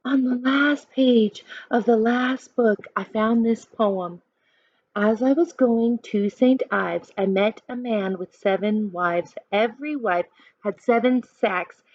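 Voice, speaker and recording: A woman reading a children's picture book aloud like a teacher, expressive and questioning as she coaches young listeners through counting. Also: fairly high pitch, takes it slowly, no echo, muffled recording.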